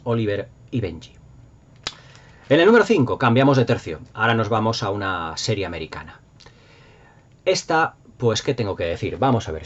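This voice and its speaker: A dull, lo-fi recording of a middle-aged man with a fairly low voice and an accent from Spain. He talks as a host in casual, nostalgic commentary, rambling along with enthusiasm and leaning hard on his emphatic points. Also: breathy edge. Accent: Spanish from Spain. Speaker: YouTube host. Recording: dull lo-fi sound.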